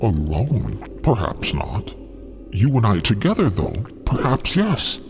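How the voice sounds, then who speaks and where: A man playing a gentle, dignified otherworldly being in an audio drama, speaking formally, earnestly and a little haltingly. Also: lowish voice, wildly swooping pitch, faint music behind, heavily acted. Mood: gentle, reassuring.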